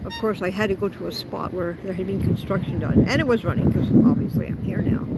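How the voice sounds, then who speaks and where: In a room with audible echo and noticeable background noise, a woman with a Canadian accent speaks at a medium pitch and a fairly quick pace. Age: 60s. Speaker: content creator livestreamer. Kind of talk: casual chat. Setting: outdoors at waterfront.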